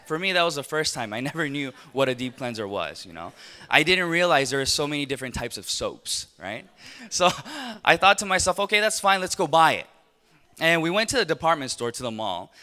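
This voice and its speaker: A man in his thirties from Los Angeles, giving an animated, story-driven talk to a live audience, with frequent laughs and rhetorical questions. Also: fairly high pitch. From USA (Los Angeles). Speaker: motivational speaker.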